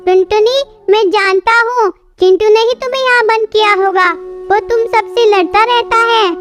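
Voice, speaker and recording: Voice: very high-pitched, fairly even intonation, normal speed. A voice actor playing a kind, reassuring male parrot in a cartoon. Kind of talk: storybook cartoon voice acting. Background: music.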